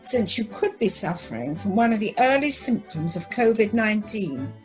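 A woman's voice: medium pitch, very animated, moderate pace, a little mellow, soft background music, close to an everyday voice, low-quality recording. A woman playing a droll, tongue-in-cheek announcer in a comic pantomime. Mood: mock-helpful.

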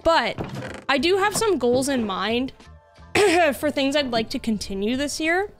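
A woman's voice: sits high, very animated, unhurried, soft background music. A young adult woman streaming a game, chatting casually in a bubbly way with lots of filler words. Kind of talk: casual chat while playing a game.

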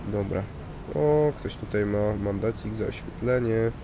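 A man's voice: fairly low pitch, measured pace, noisy background. A man casually commenting on a video game, muttering to himself as he plays. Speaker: gamer. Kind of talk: let's play commentary.

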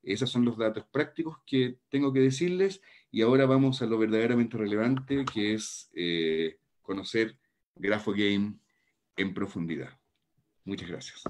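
Lower-voiced male moderator, direct delivery with some restarts, video-call sound. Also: moderate pace, a little mellow, a little hiss or hum. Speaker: webinar moderator. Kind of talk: practical announcements.

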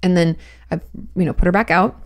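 A woman's voice: on the low side, brisk, no room sound. A woman in her thirties co-hosting a podcast in a small home studio, chatting casually and telling stories with restarts. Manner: chatty storytelling, trailing restarts. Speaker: podcast co-host. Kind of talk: casual chat. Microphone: studio mic on boom arm, headphones.

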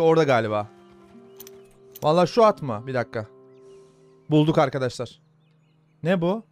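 A young man casually commenting on his gameplay, chatting to his viewers and softly calming a horse in the game. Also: medium pitch. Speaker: gaming YouTuber. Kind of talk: casual let's-play commentary.

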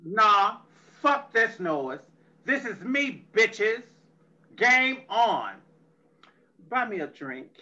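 Brief: woman as a brash, bright-voiced, drunk, foul-mouthed tech crook; menacing swagger; lo-fi audio drama. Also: mid-range voice, very animated, extremely slow, long pauses, exaggerated voice. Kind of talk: amateur audio drama reading. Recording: dull lo-fi audio.

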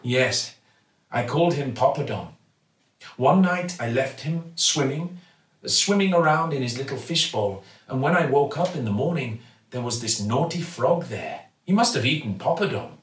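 A man's voice: mid-range voice, expressive, moderate pace, pitched above the performer's own voice, lightly acted. A man voicing a kindly, sentimental male newsagent in a storybook, avuncular and emotional. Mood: tearful. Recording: roomy, slightly distant mic.

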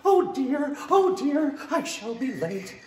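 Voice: sits high, big pitch swings, slow, a little hiss or hum, heavily acted. A performer voicing an anxious, flustered white rabbit who is always late, in 1930s radio play style. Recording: roomy theatre stage from far off, loud ambience.

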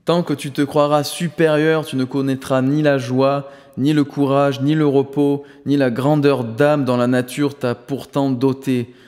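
Man voicing a spiritual master, solemn, firm, measured, mid-pitched, reverberant. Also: little pitch movement, darkish tone, lightly acted. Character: calm commanding male spiritual master.

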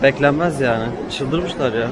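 A man's voice: medium pitch, unhurried, heavy background noise. A young man hosts a casual vlog, talking to a handheld camera outdoors. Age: young adult. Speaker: vlog host. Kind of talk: casual chat to camera while walking. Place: outdoors in city streets and squares. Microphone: camera at arm's length. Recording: loud music over speech.

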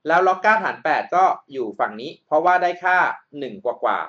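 A man's voice: fairly high pitch, animated, brisk, a bit bright, muffled recording. A man tutoring math over a screen recording, explaining each step patiently and checking that the listener follows.

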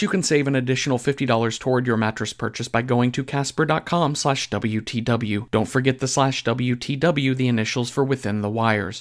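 Dryly humorous man reading podcast sponsor spots. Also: mid-range voice. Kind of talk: conversational scripted ad read.

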